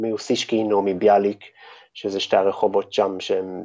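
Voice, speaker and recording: This man's tone is dark and mellow, with monotone, flat intonation. He keeps a moderate pace. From Israel, Ramat HaSharon. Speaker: skateboarder and artist. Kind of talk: casual interview.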